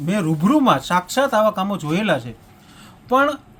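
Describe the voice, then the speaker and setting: A high-pitched male voice with lively intonation amid noticeable background noise. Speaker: village deputy head and community leader. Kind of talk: political statement to camera.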